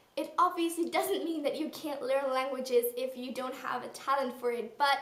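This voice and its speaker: A woman speaks at a moderate pace with a high pitch. Audible room echo is present. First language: German. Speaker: video blogger. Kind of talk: casual advice talk to camera. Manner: casual, with many fillers.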